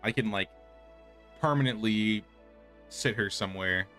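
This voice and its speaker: With a fairly low voice that sounds pushed and bright, a streamer talks through his game at a measured pace. The commentary is loose and rambling, basically thinking out loud, against background game music.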